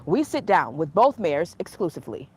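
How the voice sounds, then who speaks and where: A woman reporting the news on TV with a crisp newscast delivery. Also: lowish voice, sing-song, moderate pace, a little mellow, slight background noise.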